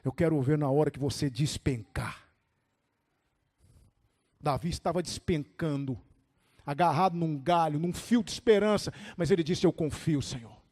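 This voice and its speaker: A male pastor preaching a sermon with animated storytelling, calling on his listeners by name. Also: fairly high pitch, normal speed, pauses often. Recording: echoey hall reverb.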